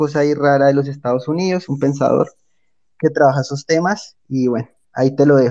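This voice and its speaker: A man's dark, mellow voice at a moderate pace, with ordinary pitch variation. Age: 20s. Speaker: libertarian social media commentator. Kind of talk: online panel discussion. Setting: online audio room.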